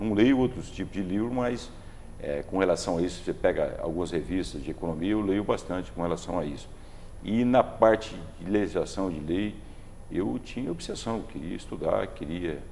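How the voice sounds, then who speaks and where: Deep and very low, a man's voice has a dark, mellow tone and moves at a moderate pace. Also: lively intonation. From Brazil, Araçatuba (São Paulo state). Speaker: city councillor. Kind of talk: interview. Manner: hesitant, many fillers.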